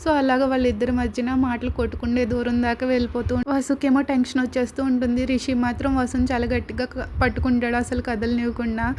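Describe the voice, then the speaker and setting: A woman tells a serial story in a relaxed, conversational way and mixes in English words. Her voice sits high. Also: slight background noise. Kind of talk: story narration.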